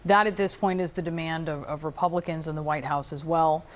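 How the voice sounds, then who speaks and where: A woman's voice: low-pitched, fairly even intonation, fairly quick. A woman interviewing on a news broadcast, asking probing questions in a conversational way.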